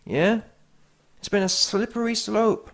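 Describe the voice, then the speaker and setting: A man hosting a comedic reaction video, with animated, mocking and slangy commentary. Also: high voice, unhurried. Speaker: YouTube host.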